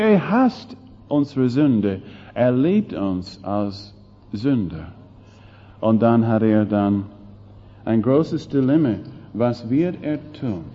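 A man preaching a sermon, speaking slowly and dramatically, asking the congregation rhetorical questions and swinging between loud emphasis and hushed asides. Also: on the high side. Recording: long hall reverb, dull lo-fi sound.

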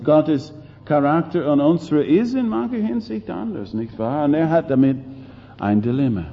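A male preacher delivers a sermon at an unhurried, deliberate pace, leaning on rhetorical questions. His voice rises into loud emphasis, then drops to hushed asides. The sound is dull and lo-fi, with a long reverb trailing off the walls of a big hall. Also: a little high.

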